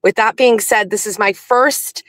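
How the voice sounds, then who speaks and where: A woman's voice: mid-range voice, measured pace, fairly bright tone, no room sound. A woman hosting a casual morning show from her car, chatting and laughing with a slightly scratchy, just-woke-up voice, speaking into a phone in a cradle. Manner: chatty, laughing, rambling asides. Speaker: host. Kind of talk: casual morning chat while driving. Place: inside a car.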